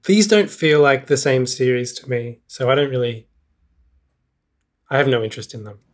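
A man's voice: mid-range voice, lively intonation, normal speed. A young man co-hosting a casual podcast chat, wry and self-mocking, laughing often at his own stories. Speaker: podcast co-host.

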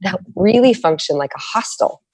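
Candid, low-voiced woman guest. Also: lively intonation, a little mellow, breathy edge, no echo. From San Diego, United States. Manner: candid and searching, with frequent pauses and restarts. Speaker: podcast guest. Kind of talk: reflective conversational interview.

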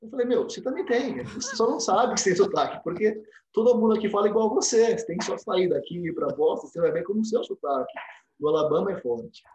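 This is a high-pitched, fast-talking Brazilian dentistry professor on a remote call microphone, the sound lo-fi with a little hiss or hum. Chatting casually in an interview, he tells animated stories and acts out each quoted line.

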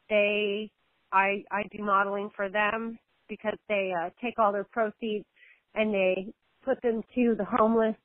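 A woman's voice: mid-range voice, dry recording. A woman guest on a podcast, chatting in a friendly, giggly way with hesitant fillers. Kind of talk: casual interview chat. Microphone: phone line. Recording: tinny phone line.

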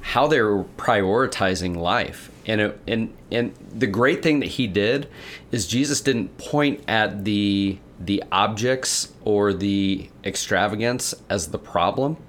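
A man co-hosting a casual faith podcast, telling Bible stories and acting out the quotes with lively energy. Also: on the low side, slow pace, slight background noise. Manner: animated storyteller, acts out quotes. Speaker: podcast co-host.

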